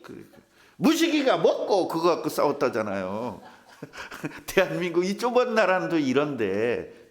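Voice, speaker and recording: An older pastor with a fairly high, creaky voice preaches a humorous sermon in a church. He tells stories and acts out the voices of the people in them.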